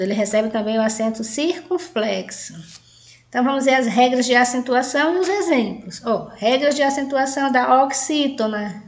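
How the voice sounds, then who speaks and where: A woman's voice: sits high, roomy sound. A Brazilian woman teacher giving a grammar lesson to adult learners, spelling out examples one by one and often adding "né?". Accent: Brazilian Portuguese. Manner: slow, spells out examples word by word, frequent "né?" tags.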